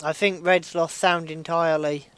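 A man's voice: a little high, little pitch movement, normal speed, a bit bright, clean tone, no echo. A man working as an air support controller in a military game, using matter-of-fact radio procedure over noisy, clicking voice chat.

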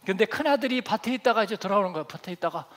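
A man's voice: sits high, lively intonation, rapid-fire. A male pastor preaching a sermon, telling a parable and acting out its characters. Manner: storytelling, acting out the figures of the parable. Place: church.

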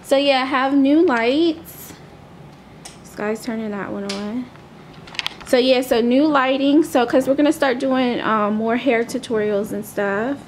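A woman's voice: high voice, slow pace, a little hiss or hum. A young woman and mother chatting casually in a home vlog, rambling with lots of ums. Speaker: vlogger, mother. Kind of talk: casual family vlog chat. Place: home living room.

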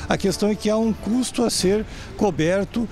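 Calm man interviewed on the street. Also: sits high, normal speed, a little hiss or hum. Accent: Brazilian Portuguese, Amazonas. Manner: calm, explanatory. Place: outdoors on a street. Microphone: handheld press mic.

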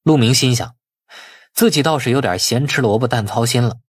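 A man's voice: medium pitch, a little fast, slightly rough, no room sound, clean studio sound. A man narrating an audiobook in a dramatized, scripted storytelling style.

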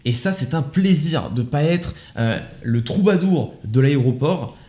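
A man's voice: a little high, lively intonation, unhurried, mellow. A man hosting an upbeat, enthusiastic product unboxing review on his channel. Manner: enthusiastic, upbeat salesy delivery. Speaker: YouTube tech reviewer.

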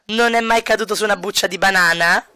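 A man's voice: high voice, fairly even intonation, quick pace, sharp tone, smooth. Man voicing a cocky, teasing joker. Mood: teasing, laid-back. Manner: teasing and laid-back. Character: lazy, joking, cocky man who teases.

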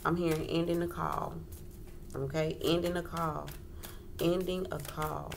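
A low-voiced woman gives a casual tarot reading as host, her delivery flat and unhurried. Sitting at an indoor wooden table, she speaks informally, repeats phrases and checks in a lot. The home recording is clearly noisy.

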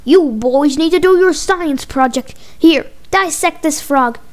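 A woman's voice: high voice, a little slow, darkish tone. Woman as a stern, exasperated science teacher. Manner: firm, commanding.

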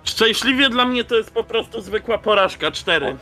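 A man playing a tabletop role-playing game over an online call, talking casually and haltingly as he works out his moves. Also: high-pitched, expressive, pushed and bright. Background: faint background music.

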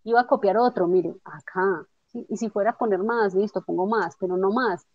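Patient woman teaching software. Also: medium pitch, brisk, no echo. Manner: patient, explanatory, checks understanding with tag questions. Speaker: instructor. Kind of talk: software tutorial walkthrough. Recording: dull lo-fi dry audio.

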